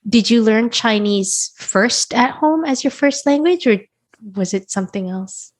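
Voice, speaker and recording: A woman's voice: a little high, expressive, unhurried. A woman in a casual podcast chat, thinking aloud and saying "like" often. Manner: thoughtful, uses "like" a lot. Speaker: podcast co-host.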